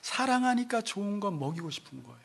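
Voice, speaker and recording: 교회에서 설교하는 남성 목사로, 인용하는 말투를 연기하듯 흉내 내며 생동감 있게 말한다. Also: male voice, high-pitched, quick pace, gravelly. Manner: animated preaching, acts out quoted voices. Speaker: pastor. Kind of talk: sermon. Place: church sanctuary.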